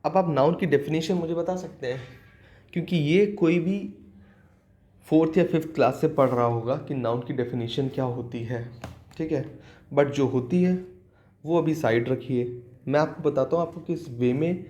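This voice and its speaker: A man's voice: a little high, moderate pace, warm tone. A man with an Indian accent teaching an English grammar lesson, repeating key words and asking questions that he answers himself. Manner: asks the class questions and answers them himself. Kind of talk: classroom lecture.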